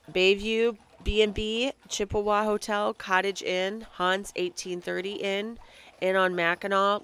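A woman chats through her podcast in a low, smooth voice. A lingering cold leaves her slightly nasal and crackly. She talks casually and reads long lists at an easy pace. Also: fairly bright tone. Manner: chatty, reads lists of dates aloud. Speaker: podcast host. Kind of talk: casual solo podcast talk.

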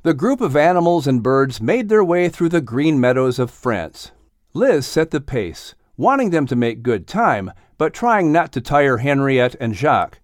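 A man's voice: medium pitch, no room sound, clean studio sound. A man reading scripted narration for a children's audiobook story.

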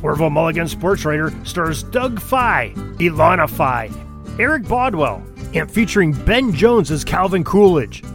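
A man's voice: fairly high pitch, big pitch swings, normal speed. A man reading the closing credits of a podcast in a cheerful, announcer-like way. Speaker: podcast producer and host. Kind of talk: scripted credits and promo. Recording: music bed underneath.

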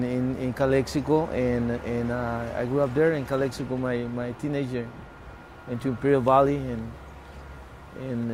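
Halting man. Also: medium pitch, a little mellow, a little hiss or hum. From Mexico-California border region. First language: Spanish. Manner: halting, with many restarts and repeated words. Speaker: activist guest. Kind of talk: personal storytelling in conversation.

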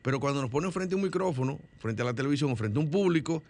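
A man's voice: a little high, lively intonation, racing, a little mellow. A man from the Dominican Republic with a Dominican Spanish accent, a guest in a studio discussion, who explains at length and often restarts or repeats his words.

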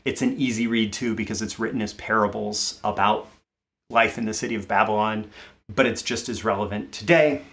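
A man's voice: lowish voice, steady tone, brisk, fairly bright tone. A man hosting a daily show, talking casually about saving money and often repeating phrases for emphasis. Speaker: show host. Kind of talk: casual solo talk to camera about money.

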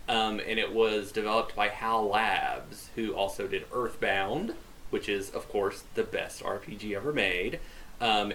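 A man's voice: lowish voice, a bit bright, a little hiss or hum. A man co-hosting a podcast about video games, talking casually and sarcastically with many ums. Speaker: podcast co-host. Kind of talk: casual gaming chat.

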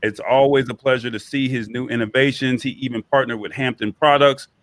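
A man's voice: mid-range voice, fairly even intonation, a little fast, dry recording. A man hosting an interview, chatting in an enthusiastic, loose and slangy way. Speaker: show host. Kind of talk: casual interview chat.

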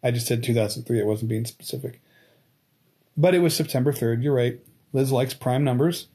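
A man's voice: mid-range voice, a little fast, dark tone, breathy edge. A man of forty hosting his own podcast, talking casually with many restarts and fillers. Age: 40s. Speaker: podcast host. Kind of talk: casual interview chat.

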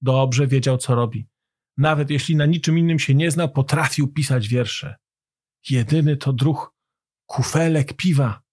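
A man voicing an excited Irish man gushing over a poem in a storybook reading. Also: mid-range voice, measured pace, natural voice. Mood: enthusiastic. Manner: enthusiastic exclaiming.

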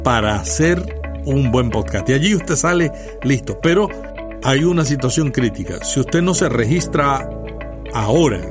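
A man with a Puerto Rican accent hosting a podcast, reading a scripted intro and interviewing guests in a measured, announcer-like way. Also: mid-range voice, lively intonation, over music. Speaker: podcast host.

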